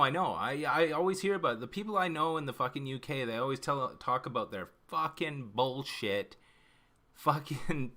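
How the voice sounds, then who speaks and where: A Canadian livestream host in his fifties chats casually with his viewers in a medium-pitched, bright, forceful voice. He rambles, cuts himself off, and swears constantly.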